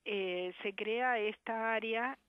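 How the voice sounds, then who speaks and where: A woman with an Argentine Spanish accent, a sign language interpreter answering a radio interview in a measured, reflective way over the phone. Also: fairly high pitch, dry recording. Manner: measured, reflective, careful diction. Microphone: telephone. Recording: muffled phone line.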